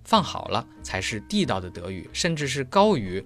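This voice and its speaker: A man's voice: medium pitch, big pitch swings, moderate pace, soft background music. Man teaching German pronunciation with analogies. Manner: explains step by step with everyday analogies. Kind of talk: explanatory lesson.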